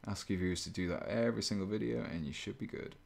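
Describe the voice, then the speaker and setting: A man with a low, fairly monotone voice, chatting casually on a live stream while he paints miniatures and reads chat. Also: fast talker, vocal fry. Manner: relaxed, chatty, chuckles often, reads chat aloud. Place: indoors at a painting desk.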